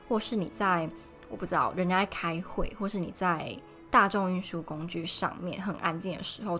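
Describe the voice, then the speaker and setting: Chatty young woman podcaster. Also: on the low side. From Taiwan. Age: young adult. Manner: chatty, animated storytelling. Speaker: podcast host. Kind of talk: casual solo podcast chat. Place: home.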